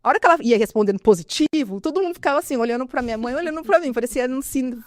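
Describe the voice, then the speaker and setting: A woman's voice: high voice, racing, dry recording, studio quality. A Brazilian woman telling a personal testimony in an interview, acting out what others said as she goes. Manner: animated storytelling, quotes others' speech. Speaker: guest sharing testimony.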